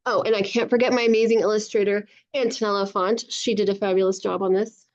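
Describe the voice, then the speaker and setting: A woman reading a storybook aloud to children over a video call, with animated narration and encouraging, chatty asides, in dull lo-fi sound. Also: mid-range voice, fast. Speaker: children's author reading own book aloud.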